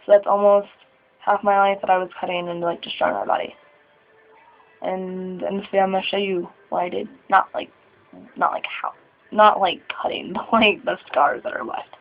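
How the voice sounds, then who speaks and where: A 21-year-old trans man talks haltingly in a confessional vlog, his nerves showing in sighs and small laughs. His voice has a gravelly fry. The recording sounds thin and phone-like. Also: sits high, level tone. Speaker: vlogger.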